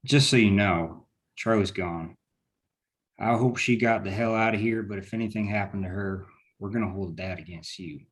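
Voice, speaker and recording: Hard small-town lawman, acted by a man: lowish voice, blunt, menacing, vengeful, for a drama. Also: moderate pace, lightly acted. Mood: cold, threatening. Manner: gruff, blunt, threatening talk. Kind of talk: script table read.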